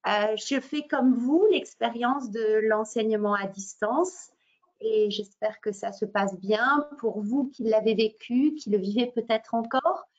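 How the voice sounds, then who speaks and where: Hesitant French teacher, slightly high voice. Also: female voice, unhurried. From France. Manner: hesitant, many fillers and restarts. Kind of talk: webinar presentation. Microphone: computer mic on a video call. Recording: muffled lo-fi webinar audio.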